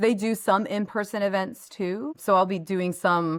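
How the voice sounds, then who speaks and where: A woman with an American accent talks at a moderate pace with ordinary pitch variation, recorded very cleanly with a silent background. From Texas. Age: middle-aged. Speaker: entrepreneur. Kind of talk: interview.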